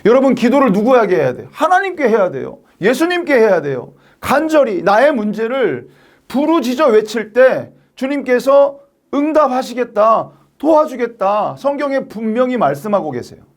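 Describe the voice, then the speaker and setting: A man preaching a sermon to teenagers, telling the story in an animated way and acting out its scenes. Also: very high voice, moderate pace. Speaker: youth pastor. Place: church.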